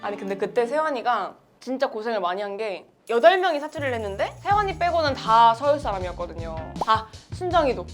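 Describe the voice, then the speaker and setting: Bright, high voice of a young woman hosting a relaxed chat, her pitch leaping around as she reacts playfully to her guest. Music plays softly under the talk. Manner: lively, playful, quick to react. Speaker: talk show host. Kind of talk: casual chat. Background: background music.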